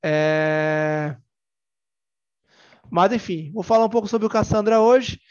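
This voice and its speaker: Speaking slowly in a high yet darkish voice, this young tech conference presenter from Salvador, Brazil, carries a Bahian accent and a clear, resonant tone. His talk is relaxed and jokey, peppered with fillers and false starts, captured in lo-fi sound.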